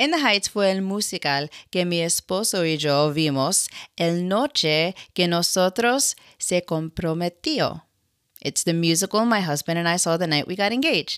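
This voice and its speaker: A woman with an unremarkable speaking voice talks at a moderate pace and fairly low pitch, with ordinary pitch variation and very even loudness. The recording is very clean, with a silent background and a dry, close sound with no echo. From New York, Puerto Rican heritage. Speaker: podcast host. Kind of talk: scripted narration.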